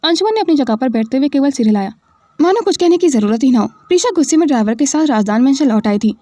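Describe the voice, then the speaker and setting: A woman narrating a scripted audio story in an expressive, dramatic way. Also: sits high, fast, no room sound.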